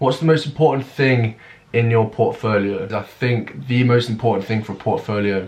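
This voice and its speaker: With an English accent, the man talks at a medium pitch. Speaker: architecture student youtuber. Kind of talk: casual Q&A vlog. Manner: fast; loud.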